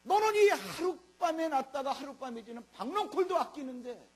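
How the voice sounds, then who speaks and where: God talking softly like a patient father, a pastor doing the voice, really high voice, swoops around, hum underneath. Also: expressive, normal speed. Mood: patient reproach. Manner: gentle reasoning, chiding questions. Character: God, calm fatherly divine voice. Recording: mains hum.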